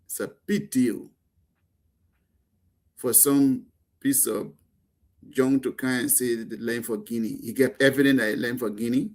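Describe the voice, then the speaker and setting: A man's voice: mid-range voice, fairly even intonation, a little slow, long pauses, darkish tone. A man with a Liberian accent, speaking as a panel guest in a heated political talk show, impassioned and emphatic with stumbling restarts.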